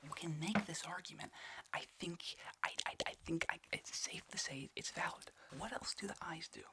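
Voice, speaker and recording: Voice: mid-range voice, moderate pace. A person whispering an ASMR roleplay as an obsessive, paranoid conspiracy theorist, rambling and stammering over repeated phrases with urgency. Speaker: ASMR video creator.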